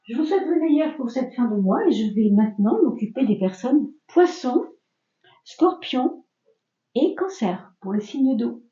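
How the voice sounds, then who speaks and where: A woman reads tarot for her audience in a relaxed, reassuring way, full of small fillers and asides. Her voice is very mellow and warm. The recording sounds a little dull and lo-fi. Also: on the high side, measured pace. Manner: chatty, reassuring, many fillers and "hein". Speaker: tarot reader. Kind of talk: casual tarot reading for viewers.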